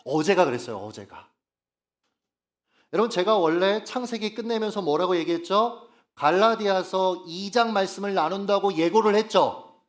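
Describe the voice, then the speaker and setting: A man's voice: high-pitched, lively intonation, moderate pace. A male pastor preaching a Sunday sermon at a church worship service. He is earnest and emphatic, often putting rhetorical questions to the congregation. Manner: earnest and emphatic, stressing key phrases.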